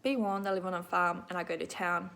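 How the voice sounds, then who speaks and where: A woman's voice: fairly low pitch, fairly even intonation, fast, creaky, fairly bright tone, a little hiss or hum. A middle-aged Australian woman hosting a crafting video, chatting casually to viewers in an informal, rambling, self-deprecating way.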